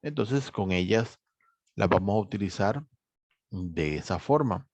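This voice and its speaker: Gravelly low-voiced man teaching. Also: lively intonation, darkish tone, no room sound, muffled recording. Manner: measured, repeats reminders, many fillers like "obviamente". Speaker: English teacher. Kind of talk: online course lecture.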